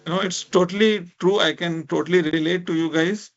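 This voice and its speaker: A man's voice: sits high, fairly even intonation, a little fast, lo-fi sound. A man from India with an Indian accent, speaking English as a second language, giving an informal, encouraging interactive online lecture and often checking in with "right?". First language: a minority language of India. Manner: informal, encouraging, repeats "right?" and "you know". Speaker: lecturer, speech technology researcher.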